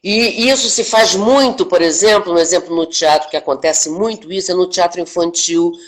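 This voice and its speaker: An older woman in her sixties from Brazil, an actress talking on a video-call interview in an emphatic, animated way, often ending points with a quick question to the listener. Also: fairly low pitch. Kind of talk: reflective conversation. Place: home, online live stream.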